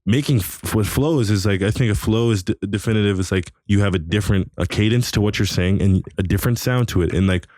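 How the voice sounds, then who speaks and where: A young man talking in a casual podcast chat, rambling and halting, full of slang and restarts. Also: fairly low pitch, darkish tone, no room sound. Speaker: podcast host.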